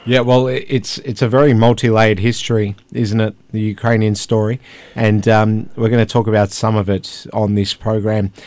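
A male radio host asks his questions in a friendly, curious way. His voice sits a little low, and it is recorded close and dry. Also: level tone, normal speed, darkish tone, no echo. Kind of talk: casual radio interview.

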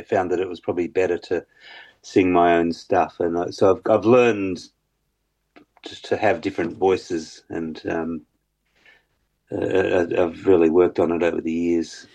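A man with a very low bass voice, talking hesitantly as a musician guest in an interview, with many fillers and restarts. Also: fairly even intonation, measured pace, darkish tone. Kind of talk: casual interview chat.

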